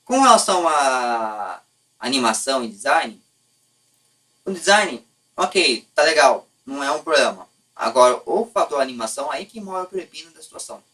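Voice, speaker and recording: A man's voice: medium pitch, big pitch swings, moderate pace, pushed and bright, recorded from a distance. A Brazilian man speaks off the cuff as a video host, in a mid-range voice heard a little way from the microphone. His Brazilian Portuguese accent comes with blunt, slangy phrasing. He often halts and rewords what he is saying. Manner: blunt, colloquial, lightly profane. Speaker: YouTube host. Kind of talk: unscripted opinion vlog, casual commentary.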